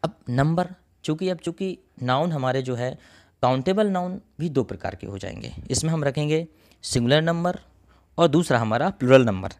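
A man teaching English grammar in a recorded coaching lesson, explaining each rule step by step, repeating phrases and clearing his throat now and then. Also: on the high side, lively intonation, normal speed, darkish tone.

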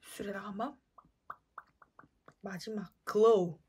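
Playful husky young woman vlogger. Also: medium pitch, steady tone, measured pace. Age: 20s. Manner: playful, switching between whispers and bright exclamations. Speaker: beauty vlogger. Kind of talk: makeup tutorial voice-over.

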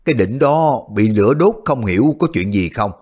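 Người đàn ông đọc đại hiệp tinh ranh giả ngây. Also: male voice, medium pitch, expressive, normal speed, a little mellow, husky. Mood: mock-alarmed. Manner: mock-innocent, teasing. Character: bold, crafty male hero warrior.

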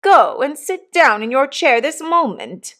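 A woman's voice: fairly high pitch, very animated, takes it slowly, a bit bright, voice pushed up, full character voice. A woman voicing a haughty, easily affronted upper-class mother in a storybook, speaking in a pompous, imperious manner. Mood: scolding.

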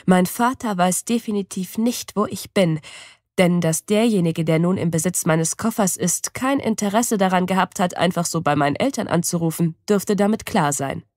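A woman reading a novel aloud in the first person, with even, measured storytelling. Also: lowish voice, dry recording. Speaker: audiobook reader. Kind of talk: scripted first-person audiobook narration. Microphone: close studio mic. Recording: dry studio.

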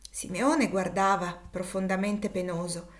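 A woman narrating a classic novel as an audiobook in a measured, literary reading. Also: mid-range voice, fairly even intonation. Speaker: audiobook reader.

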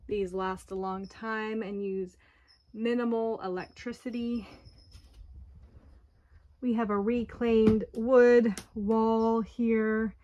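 A woman giving an unhurried walkthrough tour of her camper, plainly pointing out features one by one, recorded on a handheld phone inside the trailer. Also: on the high side, little pitch movement, mellow, muffled recording. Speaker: owner giving a home tour.

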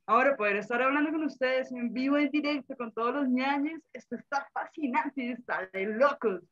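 Colombian woman caller, high voice, super gushy, kinda muffled call audio. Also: fairly bright tone. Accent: Colombian Spanish. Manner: effusive, gushing, quick to laugh. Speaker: caller, fan of the show. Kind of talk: excited live call-in chat.

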